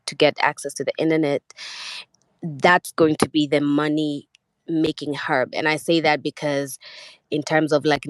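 A young woman from Kenya, a musician guest speaking casually over a remote call, rambling with restarts and soft laughs. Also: sits low, no echo. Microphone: remote call audio.

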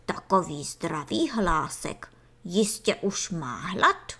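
A woman's voice: lowish voice, very animated, fairly bright tone, breathy edge, exaggerated voice. A woman voicing a doting, boastful antlion father who coos over his son in baby talk. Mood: proud. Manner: cooing, fondly baby-talking.

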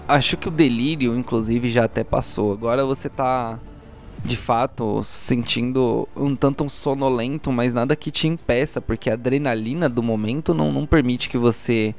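Homem narrando RPG, voz de tom médio. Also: male voice, medium pitch, normal speed. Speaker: game master and narrator. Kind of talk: improvised narration of a tabletop audio drama.

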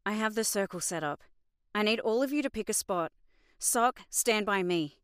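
A woman's voice: mid-range voice, animated, moderate pace, clean tone, no room sound, clean studio sound, lightly acted. A woman playing a harried young witch in an audio drama, urgent and commanding. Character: harried young witch casting spells under pressure.

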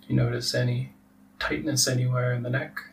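A man leading a guided relaxation meditation as a teacher, giving soft instructions with long pauses. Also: mid-range voice, level tone, vocal fry. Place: live group meditation session. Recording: distant mic with faint background noise.

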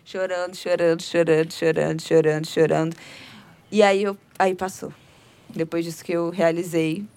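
A woman, co-hosting a podcast and telling a personal story in a chatty, animated way. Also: lowish voice, moderate pace. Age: 20s. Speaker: podcast co-host. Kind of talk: casual chat, storytelling.

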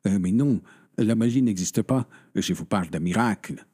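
An actor playing a gentle, devout parish priest in an audio drama, speaking in a calm, consoling manner with a husky voice. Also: male voice, fairly low pitch, normal speed, natural voice.

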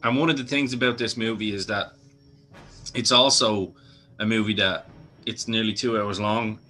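Male podcast host, casual and sweary, low voice with a bright edge. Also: fairly even intonation, normal speed, faint music behind. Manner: chatty, swearing, laughs easily. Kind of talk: casual film chat.

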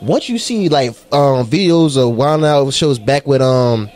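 A man's voice: mid-range voice, expressive, measured pace, darkish tone. Rambling, profane young male podcaster. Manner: rambling, profane storytelling with laughs. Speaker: podcast co-host. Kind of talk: casual chat.

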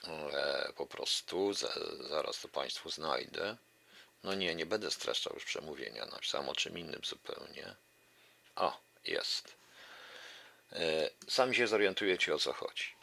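A man's voice: very deep voice, animated, a little slow, creaky, bright, forceful tone. A man hosting his own radio show, reciting his poems in a solemn, declaiming voice with casual asides to listeners. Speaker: internet radio host and poet. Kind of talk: poetry reading with casual asides.

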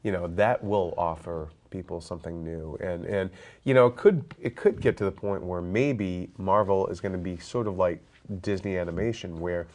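A man's voice: deep voice, moderate pace, darkish tone. A stuffed-up man hosting a movie podcast, chatting casually and joking around with lots of fillers. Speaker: podcast host. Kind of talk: casual roundtable chat.

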